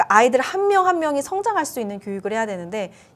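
A woman speaks in a high voice. Her pitch swings very widely. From South Korea. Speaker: parliamentary candidate, former elementary school teacher; candidate, former elementary school teacher. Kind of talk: political interview. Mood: earnest, passionate. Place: studio. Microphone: lapel.

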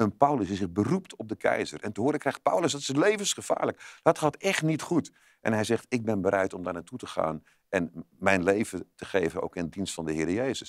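A man's fairly low voice makes very wide pitch swings, with a dry sound free of echo and a quiet background. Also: fairly quick pace. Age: old. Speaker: pastor; pastor guest. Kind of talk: interview. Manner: halting. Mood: earnest, engaged. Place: studio. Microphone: lapel.

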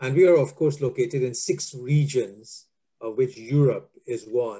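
Over a quiet background, a man talks at a fairly slow pace in a somewhat breathy voice with a dark, mellow tone and ordinary pitch variation. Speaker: church mission officer. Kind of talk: formal welcome introduction. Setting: video call. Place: home room. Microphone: video call.

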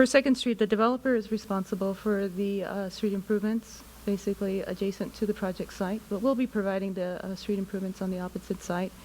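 A woman's medium-pitched voice at a very fast pace, with fairly even intonation and hardly any pauses. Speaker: city planning director. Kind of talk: staff report presentation. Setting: city council meeting. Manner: halting.

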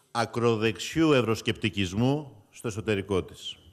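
Speaking fairly slowly, a man is heard against a quiet background. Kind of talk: formal political speech. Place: hall. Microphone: podium.

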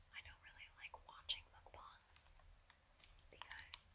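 A woman whispers softly. Her pace is fairly slow. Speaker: video creator. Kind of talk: casual vlog chat. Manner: soft ASMR whisper, close to mic. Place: home room.

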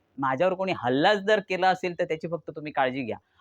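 Against a quiet background, with a dry, close sound and no echo, a man speaks at a high pitch in an animated tone with lively intonation. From Kudal, Sindhudurg, Maharashtra (Konkan). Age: 40s. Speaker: social media vlogger. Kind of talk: angry video monologue.

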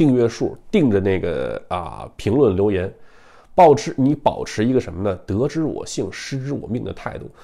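Against a quiet background, a man with a dark, mellow tone speaks at a medium pitch and moderate pace with lively intonation. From Beijing, China. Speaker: YouTuber commentator; channel host. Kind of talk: monologue to camera. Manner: frequent fillers and hesitations. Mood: grateful, relaxed. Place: home room.

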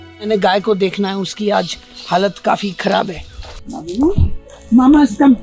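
Faint music sits behind a woman who talks at a very slow pace with long, frequent pauses and ordinary pitch variation, the sound dry with no echo. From Himachal Pradesh, India. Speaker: animal rescuer. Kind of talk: documentary interview answer. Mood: worried, caring. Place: farm.

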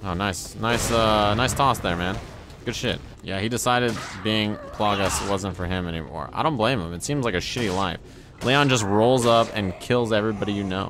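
A man's fairly low-pitched voice carries audible room echo. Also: ordinary pitch variation, moderate pace. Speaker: gaming streamer. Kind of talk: live gameplay commentary. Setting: live stream. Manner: animated.

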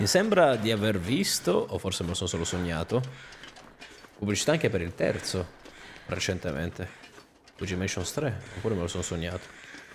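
Over noticeable background noise, a man with a fairly low pitch speaks at a fairly quick pace with long, frequent pauses and ordinary pitch variation. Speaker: gaming YouTuber. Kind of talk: let's play commentary. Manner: animated.

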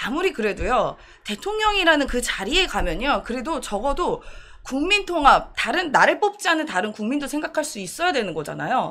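Raising and projecting her voice, a woman talks at a fairly quick pace with a high pitch and very wide pitch swings. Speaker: political commentator hosting a livestream. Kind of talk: casual political talk show. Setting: studio livestream. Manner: fast; louder when angry.

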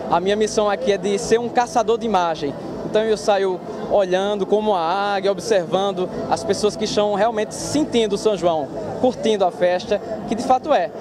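A man speaks at a moderate pace with ordinary pitch variation. The sound is dry with no echo, though noticeable background noise is present. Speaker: interviewee. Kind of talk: interview answer. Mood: enthusiastic, proud. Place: street. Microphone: handheld.

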